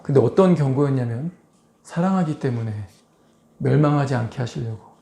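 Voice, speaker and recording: A man preaching a sermon as pastor, animated, often acting out scenes in high put-on voices. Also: moderate pace, vocal fry. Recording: echoey church hall.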